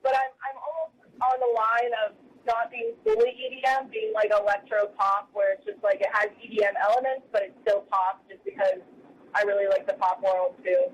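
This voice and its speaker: A woman's voice: medium pitch, fairly even intonation, a little fast. A young woman, a guest musician, chatting casually by phone from her car, restarting her words as she talks. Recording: dull lo-fi phone line with faint noise.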